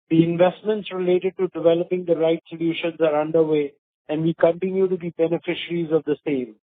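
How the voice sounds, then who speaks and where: A man with an Indian accent formally reading prepared earnings call remarks as a company executive, in a measured way. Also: fairly high pitch, dry recording. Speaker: company executive presenting results. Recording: narrow, tinny phone conference line.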